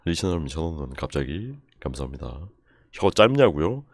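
A young man live-streaming, ranting in exasperation and going over the same point again and again with sudden shouts. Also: extremely low pitch, sing-song, normal speed. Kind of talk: casual live-stream rant.

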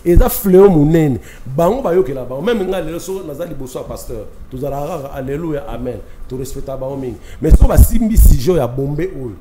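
This Congolese man talks fast and hard, pressing every point, and his voice sits a little high for a man. He mixes French and Lingala in a studio talk-show discussion. Clear noise hangs behind him in the studio. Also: expressive, echoey room. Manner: emphatic, gesturing, mixing French and Lingala. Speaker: studio guest, opinion leader.

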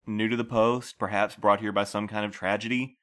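A man playing a calm, patient middle-aged postmaster who interviews new couriers, speaking gently and in a measured way. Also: on the low side, natural voice. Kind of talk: audio drama acting.

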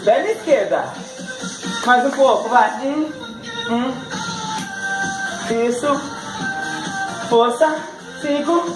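A middle-aged man with a Brazilian accent leads an exercise class for older pupils, counting and cheering them on between laughs. He is picked up by a camera across an echoey living room. Music plays steadily behind him. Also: very high voice. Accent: Brazilian Portuguese. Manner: upbeat counting and cueing, frequent laughs. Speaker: fitness instructor.

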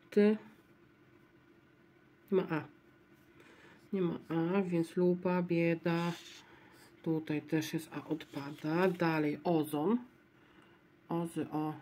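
A woman casually commenting as she scratches word-game lottery tickets, spelling out letters one at a time in a low-key murmur. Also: mellow, slight background noise. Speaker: lottery scratch-card vlogger.

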